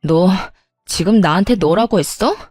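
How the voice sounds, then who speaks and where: A woman's voice: on the low side, lively intonation, normal speed, a little mellow, no echo. Woman as a demanding entitled sister-in-law, whiny, dry sound, faint music behind. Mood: angry. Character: spoiled bossy adult sister-in-law. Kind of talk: dramatized story voicing.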